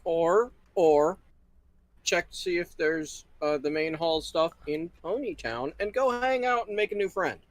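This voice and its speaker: Dry-sounding man, slightly higher voice. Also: expressive, unhurried, no room sound. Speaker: livestream panelist. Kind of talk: casual chat. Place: online group call.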